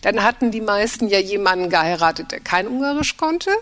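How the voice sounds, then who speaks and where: A woman's voice: medium pitch, lively intonation, brisk, a bit bright. A middle-aged woman translator, native French speaker raised in Germany, speaking in a reflective, conversational way with frequent restarts. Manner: reflective, many restarts and repeated words. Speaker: translator and editor, guest. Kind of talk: thoughtful conversational interview.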